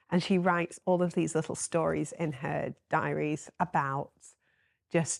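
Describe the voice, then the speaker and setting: A woman with a northern English accent speaks with fairly even intonation, in a dry, close sound with no echo and a very clean recording over a silent background. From northern England. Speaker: organist and university researcher. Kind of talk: casual interview chat.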